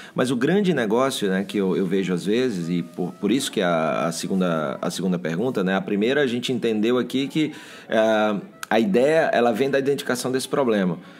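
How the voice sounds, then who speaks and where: Lively intonation from a man, with noticeable background noise behind him. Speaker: podcast host; startup event mentor. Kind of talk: casual business chat. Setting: at a startup event.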